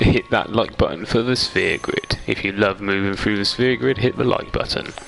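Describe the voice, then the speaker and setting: Mumbling at a moderate pace, a man is heard over noticeable background noise. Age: 20s. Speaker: gaming streamer. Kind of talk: live game streaming commentary.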